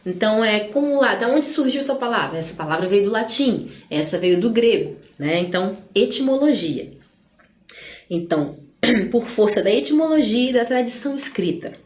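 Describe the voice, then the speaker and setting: A woman's voice: fairly high pitch, animated, moderate pace, echoey room. A woman from Espírito Santo, Brazil, teaching an exam-prep lesson in a chatty way, with playful asides and many tag questions. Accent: Brazilian Portuguese, Espírito Santo.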